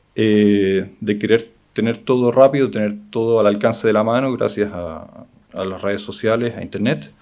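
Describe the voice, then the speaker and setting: A man with a Chilean accent talks at a fairly low pitch. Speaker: museum diplomatic adviser. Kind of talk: lecture. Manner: hesitant, many fillers and repeats.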